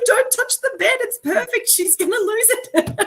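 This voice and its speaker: Fairly quick speech with an Australian accent. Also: woman. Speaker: panelist. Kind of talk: panel discussion. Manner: calm.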